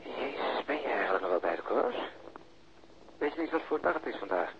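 An actor playing a blunt, talkative police colleague complaining on the telephone in a radio drama. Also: male voice, mid-range voice, big pitch swings, a little fast. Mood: grumbling. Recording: muffled, noisy telephone-scene radio recording.

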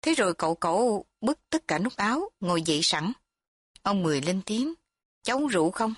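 A woman narrating a dramatic story in a steady reading voice. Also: mid-range voice, brisk, no echo, studio quality.

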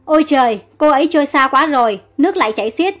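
A woman voicing a loyal palace servant who shouts in alarm. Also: high-pitched, expressive, fast, soft background music. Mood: urgent.

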